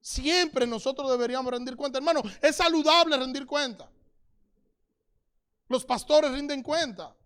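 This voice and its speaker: A man's voice: very high voice, moderate pace, a bit bright. A middle-aged man preaching a sermon as pastor, reading scripture aloud and addressing listeners as brother.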